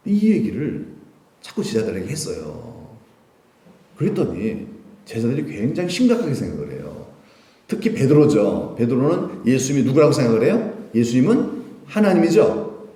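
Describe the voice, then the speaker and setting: Man, pastor, preaching a sermon, rhetorical questions, mellow tone, echoey church. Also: mid-range voice, normal speed. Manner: animated, full of rhetorical questions to the congregation. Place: church sanctuary. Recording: roomy church echo.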